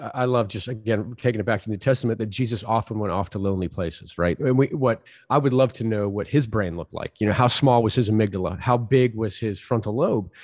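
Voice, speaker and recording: A man speaks very fast at a medium pitch, with ordinary pitch variation. The recording is very clean and the background silent. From raised in Japan and Taiwan, then US. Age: 40s. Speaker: Episcopal priest and director of a contemplative center. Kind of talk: interview conversation.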